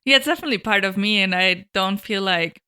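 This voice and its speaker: A woman's voice: mid-range voice, fast talker, pushed and bright, smooth. A young woman from Switzerland and Germany, telling her story as an interview guest with many "like" fillers. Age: young adult. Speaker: guest, alpinist and guide. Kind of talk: casual interview chat. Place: hotel room.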